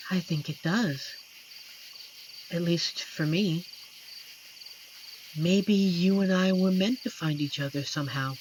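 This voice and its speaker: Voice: medium pitch, background noise, natural voice. A performer voicing an amiable, lonely werewolf who protects a forest, speaking tenderly and earnestly in a scripted roleplay addressed to the listener. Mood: tender, hopeful. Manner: tender, earnest, playfully corny, hesitant pauses. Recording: clear insect and night ambience behind. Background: crickets and forest night ambience.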